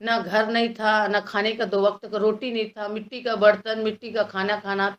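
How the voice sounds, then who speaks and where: A woman's voice: mid-range voice, little pitch movement, normal speed. A woman with a Chhattisgarhi accent, speaking as a guest and telling her life story earnestly, acting out the voices of the people she quotes. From Chhattisgarh, India. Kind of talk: personal life story talk. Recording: dull lo-fi recording.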